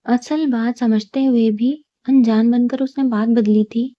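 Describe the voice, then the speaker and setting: A woman reading a romantic audio novel in a steady, even storytelling narration. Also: on the high side, dry recording. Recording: dull lo-fi recording.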